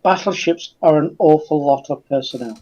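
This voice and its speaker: Mellow man on dull, lo-fi audio. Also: a little high, normal speed. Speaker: discussion panellist. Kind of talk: informal discussion, raising objections.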